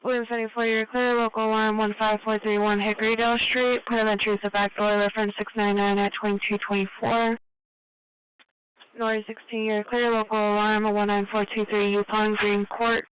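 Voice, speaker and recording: A female police dispatcher comes through a thin, phone-like radio link. Her voice is very smooth and crisp at a middling pitch. She delivers short procedural calls in a matter-of-fact, clipped way. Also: flat delivery, brisk. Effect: police radio transmission.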